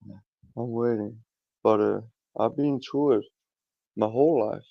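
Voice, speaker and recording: Gravelly young Danish man, blunt. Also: mid-range voice, a little slow, no room sound. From Denmark. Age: 20s. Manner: rambling, blunt, restarts often. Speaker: streamer guest. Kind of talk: casual livestream chat. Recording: muffled lo-fi stream audio.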